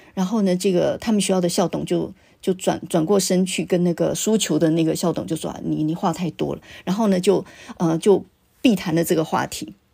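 The voice has a dark, mellow, relaxed tone with vocal fry and fairly even intonation. It moves at a moderate pace on a very clean recording with a silent background. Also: woman, fairly low pitch for a woman. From Taiwan, Tainan. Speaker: literary critic and channel host. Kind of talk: solo talk on films, books and memories. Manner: relaxed, chatty with many filler particles.

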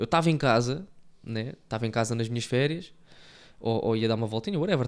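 Against a quiet background, a man with a European Portuguese accent speaks with lively intonation. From Portugal. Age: 20s. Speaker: podcaster. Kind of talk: casual solo monologue; casual podcast monologue. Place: home room. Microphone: studio mic.

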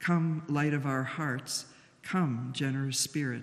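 Intonation stays fairly even in this voice. The man talks at a fairly slow pace. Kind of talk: liturgical prayer. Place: church.

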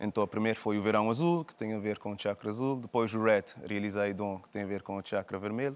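A man with a fairly low pitch talks at a very fast pace with hardly any pauses and big swings in loudness. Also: ordinary pitch variation. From Netherlands, Cape Verdean family. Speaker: musician; guest. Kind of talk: interview. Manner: halting. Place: studio. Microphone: lapel.

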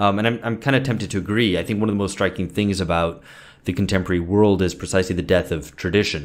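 A man with a normal speaking voice talks at a fairly low pitch with ordinary pitch variation. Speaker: podcast host. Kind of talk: podcast interview on politics.

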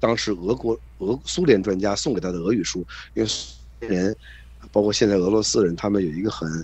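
This man speaks at a fairly quick pace with a fairly low pitch and vocal fry. His intonation is lively. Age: 60s. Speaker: writer and translator. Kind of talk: interview. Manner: halting.

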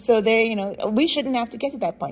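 A woman's somewhat breathy voice with ordinary pitch variation. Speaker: audience member. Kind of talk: public comment question. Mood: critical, frustrated, laughing at times. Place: hall.

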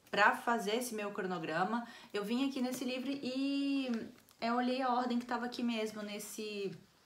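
A woman talks at a moderate pace over light background noise, with audible echo in the room. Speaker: book vlogger. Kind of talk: casual vlog chat about books. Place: home room. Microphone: phone near.

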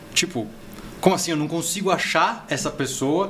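A man speaks with a Brazilian accent and lively intonation. Light background noise can be heard. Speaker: podcast co-host. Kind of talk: casual chat. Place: studio. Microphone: studio mic.

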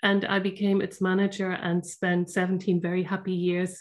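In a German accent, a woman talks at a fairly slow pace with monotone, flat intonation over a quiet background. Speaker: braille educator. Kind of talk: panel discussion. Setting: video call.

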